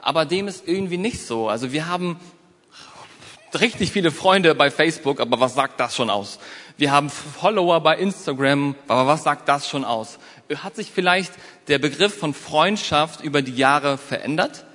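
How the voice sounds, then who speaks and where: A man with a slightly raised voice gives a motivational talk, turning a personal anecdote into a lesson. He speaks straight to his listeners with lively storytelling energy. His voice carries a long hall reverb. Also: on the high side, moderate pace.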